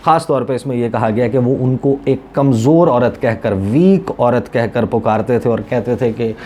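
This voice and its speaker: A man's voice: medium pitch, moderate pace, a little mellow, a little hiss or hum. A man with a Pakistani accent, a journalist giving conversational, explanatory news commentary to viewers and mixing in English words. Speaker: journalist covering foreign policy, presenter.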